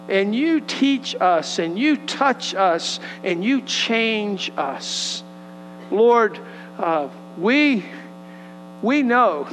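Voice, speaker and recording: A man's voice: high voice, fairly bright tone, big-room sound, a little hiss or hum, poor audio. A man with a West Texas accent, preaching and praying as a pastor in a folksy, earnest way. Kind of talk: sermon with prayer and scripture reading. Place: church sanctuary.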